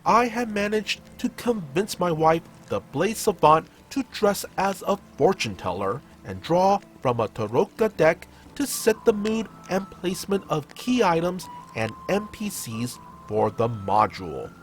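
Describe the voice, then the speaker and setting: A man's voice: high voice, sing-song, a little slow, few pauses. A man hosting a story-reading show, narrating scripted gaming tales in a theatrical, emphatic storytelling manner. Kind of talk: dramatic scripted narration of online tabletop gaming stories.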